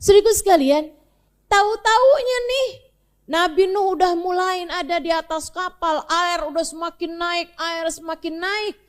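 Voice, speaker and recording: Slow, high-voiced woman preacher. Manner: expressive, swings between soft and emphatic; colloquial, addresses audience directly. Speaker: Islamic preacher. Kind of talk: storytelling sermon.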